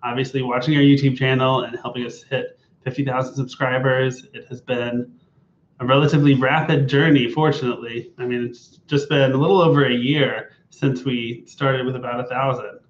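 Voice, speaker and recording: A young adult man co-hosting a casual live-stream chat, relaxed and informal. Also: mid-range voice, moderate pace. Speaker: vlog co-host. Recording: roomy, slightly dull live-stream audio.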